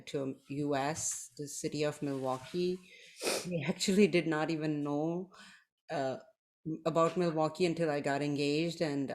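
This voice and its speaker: A middle-aged woman from Pakistan speaks in an English, unhurried and measured. She pauses often and fills gaps with soft ums, like a podcast co-host looking back on her life. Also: sits low. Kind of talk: casual podcast chat.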